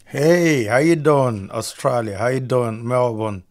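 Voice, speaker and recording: A man's voice: mid-range voice, a little slow. A man from Nigeria, guest musician on a casual radio interview, upbeat and repeating his phrases.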